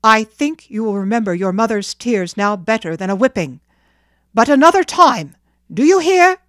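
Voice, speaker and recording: A woman's voice: on the high side, lively intonation, moderate pace, a bit bright, no echo, clean studio sound. A woman voicing a young boy's stern but forgiving father in a storybook, firm and admonishing.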